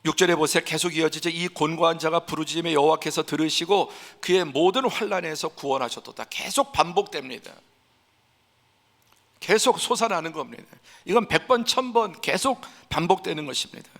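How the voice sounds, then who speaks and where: Gravelly-voiced pastor preaching in a reverberant church. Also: male voice, a little high, brisk. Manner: emphatic, building to forceful peaks; acts out scenes in a hushed voice. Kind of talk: Sunday sermon. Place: church sanctuary.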